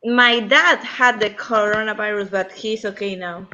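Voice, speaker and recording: A woman's voice: mid-range voice, steady tone, a little slow, background noise. A woman from Peru with a Peruvian accent, a native Spanish speaker, chatting casually as a caller on a video call, laughing often and sounding nervous. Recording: dull video call audio.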